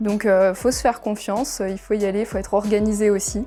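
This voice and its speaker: A woman with a medium pitch keeps up a fairly quick pace. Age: 20s. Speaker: university student. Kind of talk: testimony. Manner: hesitant, many filler sounds.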